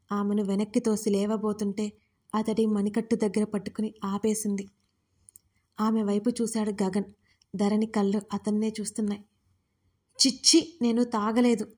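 Give me a woman reading a story aloud, steady and flat, with a warm, dark voice. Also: mid-range voice, husky. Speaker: narrator. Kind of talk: audiobook story narration.

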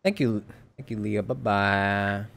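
Low-pitched man streaming a game. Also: fairly even intonation, takes it slowly, vocal fry, a bit bright. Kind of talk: casual live stream commentary. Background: game music.

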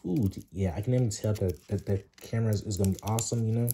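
A man hosting a casual unboxing vlog, talking haltingly with many repeated words and fillers. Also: fairly low pitch, warm tone. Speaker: vlogger.

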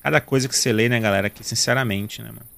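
His voice is on the low side, creaky and a bit bright, racing along with slight background noise behind it. A gaming video host from Rio de Janeiro in his thirties, he speaks with a Carioca accent, joking and chatting in slang with viewers while playing.

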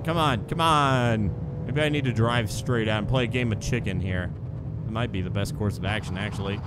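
A young man giving casual gameplay commentary, excitable and laughing, bursting into shouts at the action, with the hiccups. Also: on the low side, a little fast, heavy background noise. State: has the hiccups. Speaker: gaming YouTuber.

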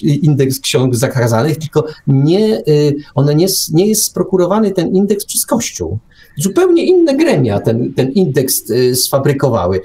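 A man's voice: medium pitch, dark tone. A man hosting a radio talk show, giving opinions conversationally, with ironic exaggeration, rhetorical questions and repetition for emphasis. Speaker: podcast host.

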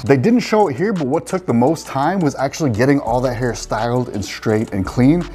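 A man's voice: mid-range voice, normal speed, mellow, soft background music. A man in his forties, a salon owner hosting casual reaction commentary in a salon, wry and opinionated. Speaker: salon owner and show host. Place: salon with product shelves, indoors.

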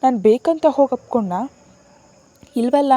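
A woman reading a storybook aloud and voicing a defiant, stubborn young woman who answers back sharply and loudly. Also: mid-range voice, steady tone, moderate pace, close to an everyday voice. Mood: indignant. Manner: sharp, indignant and loud.

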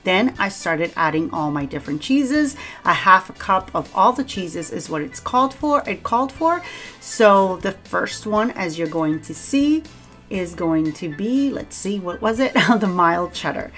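A woman's voice: mid-range voice, expressive, a little slow, fairly bright tone, faint music behind. A woman with a Cuban accent, talking casually through a home cooking vlog, chatty and self-deprecating and laughing often. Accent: Cuban Spanish. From Cuba. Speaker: cooking vlogger. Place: home kitchen.

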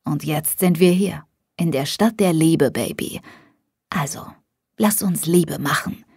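A woman voicing a flirty adult rockstar husband in an audiobook, speaking in a low murmur. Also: unhurried, gravelly, a little mellow, breathy edge, no room sound, studio quality, full character voice. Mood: seductive.

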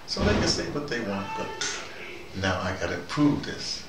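A man's voice: fairly low pitch, normal speed, loud music behind the voice. A man playing an easygoing, opinionated intellectual character, rambling and digressing animatedly in a casual monologue. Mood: opinionated, insistent. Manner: digressive, animated, argumentative, punctuated with "you know". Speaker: vlogger in character. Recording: distant mic, echoey room, loud background noise.

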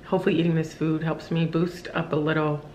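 A woman in her thirties talking casually to the camera in her kitchen, sounding drained and low on energy, rambling with fillers. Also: level tone, fairly quick, warm tone, slight background noise, poor audio. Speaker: vlogger. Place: home kitchen, indoors.

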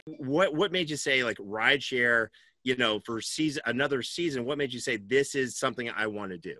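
A man's voice: mid-range voice, brisk, bright, forceful tone, dry recording. A middle-aged man hosting a podcast over a video call, putting questions to a guest and addressing the audience. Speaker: podcast host. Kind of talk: interviewing and presenting to an audience.

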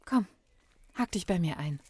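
An actress playing a caring female detective and friend in a radio crime drama, teasing and warm. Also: on the low side, animated, a little slow, slightly rough, dry recording. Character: female police colleague Sibylle, caring friend.

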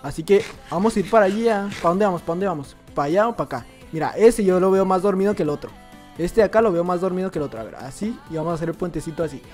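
A young man with a Mexican accent giving excitable, jokey gameplay commentary and talking to himself as he plays. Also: high-pitched, racing, faint music behind. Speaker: gaming youtuber.

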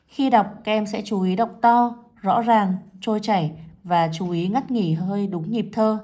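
A woman primary school teacher guiding young children through a reading test, reading a poem and a story aloud in a slow, measured way. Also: medium pitch, warm tone.

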